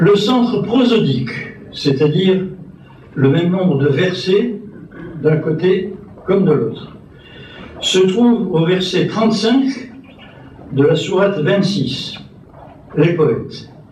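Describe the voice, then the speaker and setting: Over noticeable background noise, a man with a high pitch speaks at a very slow pace with long, frequent pauses and very even loudness. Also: lively intonation. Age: 80s+. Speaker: scholar and translator. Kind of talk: lecture.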